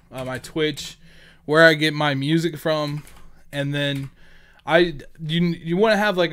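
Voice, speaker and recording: Here a man with a fairly high, fairly bright voice and a clean tone records a casual tutorial of his screen using a headset. A gaming content creator, he rambles informally and thinks aloud while typing.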